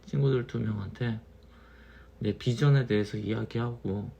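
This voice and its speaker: A man in his thirties, a little tipsy from wine, musing slowly in a casual monologue and repeating his phrases. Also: on the low side, gravelly, warm tone, slightly rough, muffled recording. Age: 30s. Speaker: channel host.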